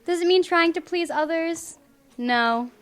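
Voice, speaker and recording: A young woman reading a picture book aloud to children in clear, deliberate phrases at a library. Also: extremely high pitch, a bit bright, faint music behind. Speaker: volunteer storybook reader. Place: public library, indoors.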